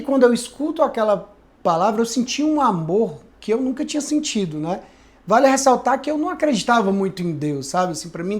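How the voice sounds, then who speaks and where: A man's voice: high-pitched, a little mellow. A pastor, earnestly telling his life testimony in a podcast conversation, often checking in with tag questions. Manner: earnest, reflective storytelling with frequent tag questions.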